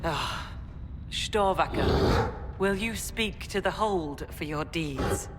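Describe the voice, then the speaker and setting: An actress playing a stern leader of a tribal hold in a fantasy game, speaking formally and deliberately. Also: female voice, fairly low pitch, lively intonation. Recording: long hall reverb under music.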